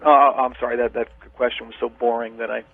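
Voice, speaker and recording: A man's voice: medium pitch, little pitch movement, fast talker, creaky, slight background noise. Give me a needling man caller heard over a radio phone line. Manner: teasing, needling, mock-bossy. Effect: voice heard over a phone line on a radio broadcast. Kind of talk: call-in radio banter.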